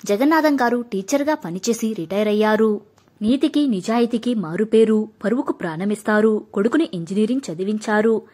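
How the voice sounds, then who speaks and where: A woman storyteller narrating an audiobook story in a calm, steady reading voice. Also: mid-range voice, breathy edge.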